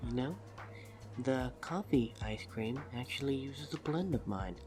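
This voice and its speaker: A woman plays a shy, affectionate woman on a romantic date, speaking slowly in an intimate ASMR roleplay style. Her delivery is awkward and halting, easily flustered. Music plays clearly behind her voice. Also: very deep voice, animated. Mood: relaxed, friendly. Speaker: audio roleplay voice actor.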